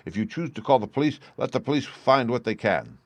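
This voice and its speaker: A man voicing a proud young gentleman in debt, speaking in a raised, heated way. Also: fairly low pitch, brisk, dry recording, close to an everyday voice. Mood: defiant. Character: proud young gentleman, indebted, defiant son.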